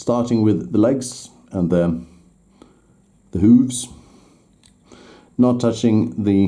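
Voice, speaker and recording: A man's dark, mellow, fairly low voice with vocal fry and ordinary pitch variation, very slow with long, frequent pauses, in audible room echo. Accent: Swedish. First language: Swedish. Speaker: miniature painting youtuber. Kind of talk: tutorial. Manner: halting, many fillers.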